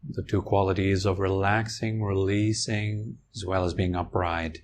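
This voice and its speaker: A man guiding a meditation, speaking slowly and calmly, with long pauses between phrases. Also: low voice, a little hiss or hum. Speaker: meditation teacher. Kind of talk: guided meditation.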